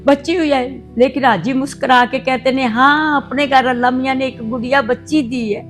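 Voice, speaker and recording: A woman's voice: high voice, steady tone, normal speed. An older woman, sharing a painful life story with heartfelt emotion. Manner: heartfelt, reliving painful memories. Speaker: interviewee telling her life story. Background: soft background music.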